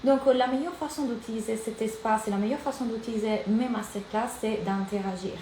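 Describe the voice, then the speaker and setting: A woman's voice: on the high side, steady tone, brisk, warm tone. A woman from Italy with an Italian accent, a life and business coach speaking energetically and directly to viewers in a live-streamed masterclass. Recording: echoey room with background noise.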